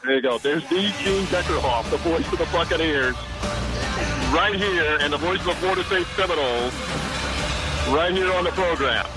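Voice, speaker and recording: A man, a sideline reporter guesting on a radio sports show, giving confident, rapid-fire football analysis from a sheltered spot outside a stadium. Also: fairly high pitch, over music, poor audio.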